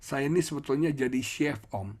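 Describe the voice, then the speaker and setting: A man voicing a sheepish young son who confesses to an older family friend in a softer, lower voice. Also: normal speed, husky, close to an everyday voice.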